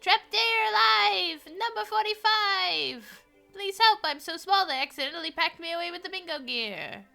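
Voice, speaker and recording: Squeaky, frantic tiny bingo announcer. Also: female voice, lively intonation, moderate pace, vocal fry, pushed and bright, soft background music, exaggerated voice. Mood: frantic, pleading.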